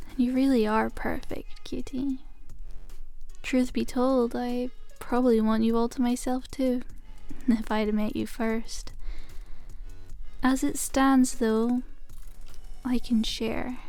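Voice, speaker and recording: A woman playing a playful, possessive werewolf demon girlfriend in an intimate, softly teasing ASMR roleplay. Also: fairly high pitch.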